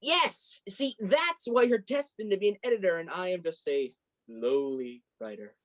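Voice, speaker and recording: A woman plays a young male journalist in a contemporary stage play, an encouraging and self-deprecating best friend. The voice sits low for a woman and moves up and down in lively swings. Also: normal speed, lightly acted. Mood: urging.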